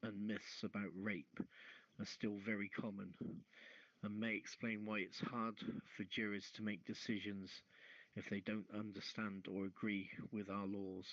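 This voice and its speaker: Male online radio host, low voice, news-reading delivery, halting asides, close dry but dull sound. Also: a bit bright, no echo. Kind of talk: reading news stories aloud, chatting between.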